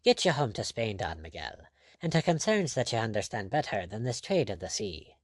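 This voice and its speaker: A man voicing a cool, courteous, mocking pirate captain, quietly firm and sardonic, in an audiobook adventure story. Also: medium pitch, very animated, normal speed, no echo, clean studio sound. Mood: calm, mocking.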